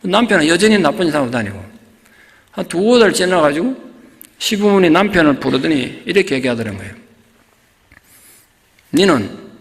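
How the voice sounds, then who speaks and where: A man's voice: on the high side, very animated, normal speed, vocal fry, pauses often. A male pastor retelling a story in a sermon, with vivid, emotional storytelling. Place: church sanctuary. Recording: long church reverb.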